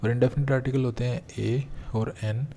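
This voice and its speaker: Mellow-voiced man teaching a grammar lesson. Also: medium pitch, fairly even intonation, a little hiss or hum. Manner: explains step by step, slows down to read example sentences aloud. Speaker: English teacher. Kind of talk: exam-prep grammar lesson.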